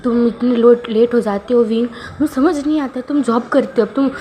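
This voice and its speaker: A woman's voice: medium pitch, little pitch movement, warm tone, close to an everyday voice. A woman voicing a short-tempered young male boss who rants and scolds. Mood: furious. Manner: scolding, rapid ranting.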